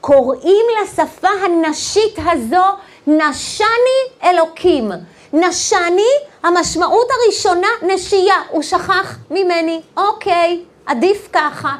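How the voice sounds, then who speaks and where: A woman giving a weekly Torah lesson to women, emotive, moving between soft intimate passages and excited peaks. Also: very high voice. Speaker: Torah teacher.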